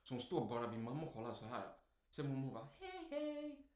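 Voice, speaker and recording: A young man telling a family story in casual chat, calm and unhurried. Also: medium pitch, reverberant.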